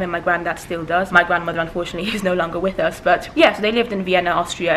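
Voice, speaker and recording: Chatty woman around thirty, lowish voice. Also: a little hiss or hum, poor audio. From Switzerland. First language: Persian. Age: about 30. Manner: chatty, laughs often, warm asides. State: slightly stuffy from hay fever. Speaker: vlogger. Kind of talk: casual chat to camera. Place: living room with windows open. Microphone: camera placed close.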